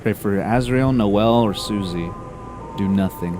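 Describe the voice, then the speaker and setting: A man's voice: on the low side, unhurried, music in the background. A man giving casual commentary while streaming a game, laughing, swearing and reading on-screen text aloud.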